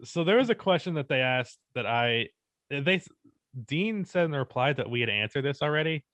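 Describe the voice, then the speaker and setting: A young man co-hosting a casual podcast, speaking in an even, unexpressive tone and swearing casually. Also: mid-range voice, moderate pace, no echo. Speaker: podcast co-host and YouTuber.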